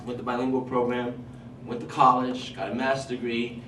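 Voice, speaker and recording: A man who grew up in Portugal and whose first language is Portuguese, a high school teacher testifying at a public hearing in an earnest, animated way. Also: a little fast. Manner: earnest, animated when quoting himself and students. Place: large hall at a public hearing. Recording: roomy hall, voice from a distance, faint noise.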